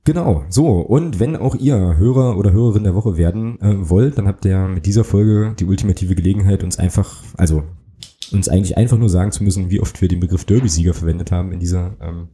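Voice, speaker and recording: A man's voice: deep voice, quick pace, mellow. A man co-hosting a casual fan podcast, rambling with many fillers and restarts. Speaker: podcast co-host.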